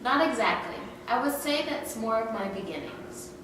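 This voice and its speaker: A woman's voice: a little high, lively intonation, normal speed, lightly acted. A woman playing a friendly, self-assured male Renaissance sculptor, speaking plainly in a school-style historical skit. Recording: echoey hall from far off, noisy.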